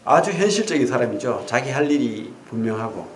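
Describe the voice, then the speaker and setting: A middle-aged man preaching a sermon as pastor, animated, with sudden loud outbursts and quiet asides. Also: medium pitch, a little fast, slight background noise. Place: church sanctuary. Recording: echoey church hall.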